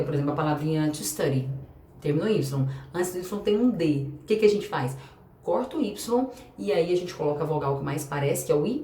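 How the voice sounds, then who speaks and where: A woman's voice: fairly low pitch, warm tone. A woman with a Brazilian Portuguese accent teaching English grammar in a chatty way, spelling out letters and asking rhetorical questions. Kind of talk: explaining grammar to an online class. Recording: echoey room, voice a bit far from the mic, faint background hum.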